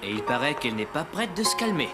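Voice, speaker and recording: A caring, playful dad in a children's cartoon. His delivery swoops expressively while staying gentle and patient. Music plays behind him. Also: fairly high pitch, very animated, quick pace. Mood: calm, explaining. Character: caring, playful father of a small boy. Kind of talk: animated children's cartoon dub. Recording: music under the voice.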